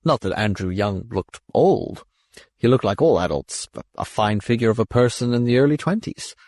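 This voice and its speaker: Measured man narrating a story, dry studio sound. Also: medium pitch, lively intonation, a little mellow, no echo. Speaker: audiobook narrator. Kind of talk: scripted narration of a science fiction short story.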